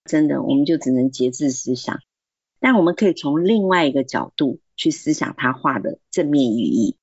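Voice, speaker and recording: A woman's voice: a bass voice, animated, normal speed, darkish tone, slightly rough, dry recording, lo-fi sound. A woman giving earnest, encouraging Christian advice on marriage and self-control, acting out quoted remarks. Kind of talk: faith-based advice talk.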